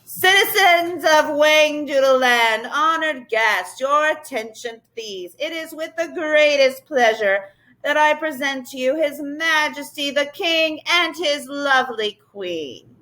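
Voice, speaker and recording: A woman voicing a grand old creature who serves as prime minister, speaking in slow, ringing proclamations. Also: high voice, lively intonation, bright, forceful tone, pitched above the performer's own voice, exaggerated voice, rough recording. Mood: proclaiming.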